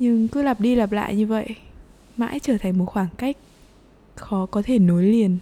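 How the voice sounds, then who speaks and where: A woman's fairly high voice with ordinary pitch variation, a fairly slow pace and long, frequent pauses. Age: 30s. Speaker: podcaster. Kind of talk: personal reflective monologue. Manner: soft-spoken.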